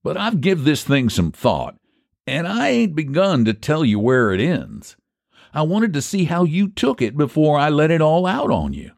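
A man's voice: fairly high pitch, wildly swooping pitch, moderate pace, vocal fry, no echo, studio quality, voice pushed up, exaggerated voice. A man voicing a scheming, homespun rural American pie baker, folksy and persuasive, in a storybook reading.

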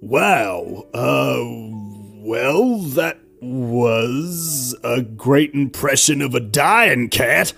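Man as bumbling gravelly middle-aged dad, slow and excitable, faint music behind. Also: mid-range voice, full character voice. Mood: amused. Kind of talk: voiced animated roleplay.

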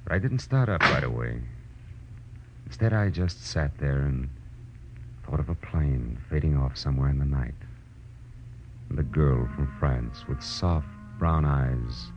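Hardboiled american 1940s radio gumshoe, real deep voice, dry and wistful, loud music behind. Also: male voice, expressive, a little slow, pauses often. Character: hard-boiled male private detective, wry, quietly wistful. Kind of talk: 1940s radio detective acting, first-person narration. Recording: muffled vintage radio broadcast, prominent music.

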